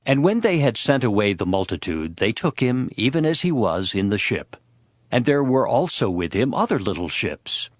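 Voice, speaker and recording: A man's voice: mid-range voice, very animated, normal speed, dry recording, studio quality. A man narrating a scripted, dramatized scripture reading. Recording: faint music behind the voice. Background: music.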